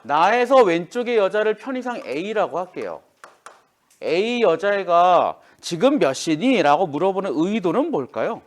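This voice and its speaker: A man's voice: high voice, a little slow. A man teaching a classroom lesson, speaking informally to students and acting out quoted lines. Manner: lively, acts out quoted lines. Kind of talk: classroom lecture.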